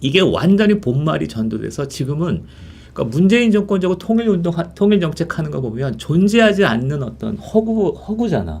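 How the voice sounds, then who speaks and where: Talking at a fairly quick pace, a high-pitched man makes very wide pitch swings. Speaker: political commentator. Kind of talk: casual political discussion. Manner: halting.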